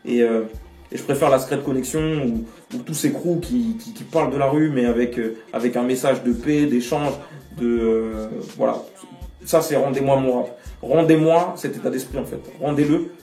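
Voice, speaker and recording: In an interview, a French Guianese rapper speaks his mind emphatically and with passion, using a warm, medium-pitched voice at a moderate pace. Faint music plays, the room echoes, and the microphone is distant.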